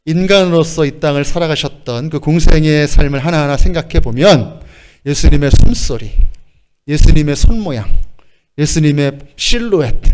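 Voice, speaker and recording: A male pastor delivers a sermon with a voice pitched a little above the usual for a man. He is lively and expressive, breaking into short laughs and acting out the lines he quotes.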